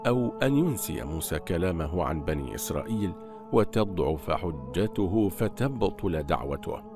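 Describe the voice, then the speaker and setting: A man narrating a religious story in a scripted, measured, solemn way. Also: deep voice, lively intonation. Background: soft background music.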